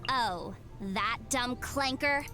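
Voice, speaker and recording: A woman's voice: on the high side, takes it slowly, over music. An actress playing a proud young woman in a video game, haughty but secretly caring. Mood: scornful. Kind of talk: scripted game character voice lines.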